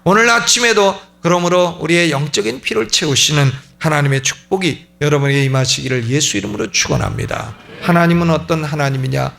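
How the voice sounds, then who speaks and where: A middle-aged man preaching a sermon in a church, animated and acting out the prayers he quotes. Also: a little high, brisk, vocal fry, hardly any pauses. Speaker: pastor. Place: church sanctuary.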